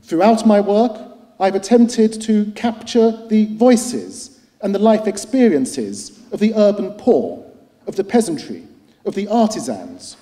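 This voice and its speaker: A middle-aged man with a high, mellow voice delivers a formal lecture. He is articulate and measured but often pauses on a hesitant "uh". His voice carries a long reverb from a large hall. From United Kingdom. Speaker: historian giving a lecture. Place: lecture hall at a cultural centre.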